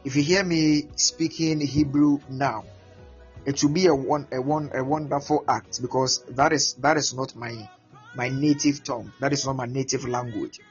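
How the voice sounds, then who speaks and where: A man's voice: medium pitch, moderate pace. A Ghanaian man preaching a teaching sermon, repeating words often as he explains. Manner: repeats words, animated, acts out prayers and voices. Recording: muffled lo-fi with faint music.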